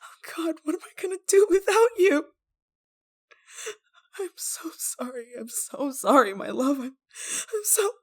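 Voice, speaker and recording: A female performer voices an obsessive yandere lover in an emotional ASMR roleplay monologue, pleading desperately and with guilt in halting, stumbling, stammering phrases. Her high voice is very animated and darkish, and she is sobbing and apologetic.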